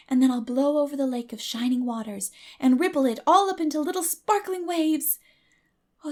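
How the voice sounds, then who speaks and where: Lady doing a dreamy little orphan girl for an audiobook, high voice, gushy and dramatic. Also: warm tone. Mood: dreamy, excited. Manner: gushing, dramatic, wordy. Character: dreamy, talkative, earnest imaginative young orphan girl.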